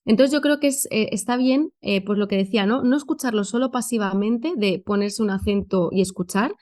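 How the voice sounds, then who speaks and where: A woman's voice: mid-range voice, a little fast, darkish tone. A woman from Spain with a Madrid accent, a conference interpreter answering thoughtfully in a podcast interview, with many fillers. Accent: Madrid Spanish.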